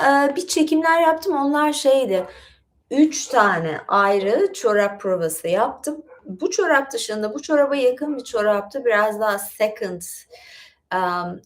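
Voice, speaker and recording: A woman hosts a casual livestream, chatting loosely with lots of fillers and asides. Her voice sits a little high. The room around her is echoey. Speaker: livestream host.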